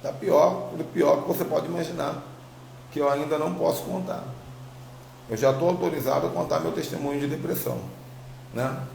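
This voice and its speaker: This preacher, a Brazilian apostle and religious teacher, gives an emphatic, informal testimony to his online followers, circling back over the same phrases. His voice is a bit high and creaky with a darkish tone, a moderate pace, and a slight tongue-tie. Faint noise and a roomy echo surround him.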